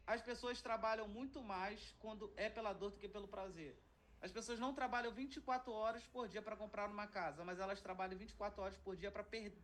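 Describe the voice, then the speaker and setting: A man with a Brazilian accent teaching a sales course, talking in an animated, conversational way and often checking in with his listeners. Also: high voice.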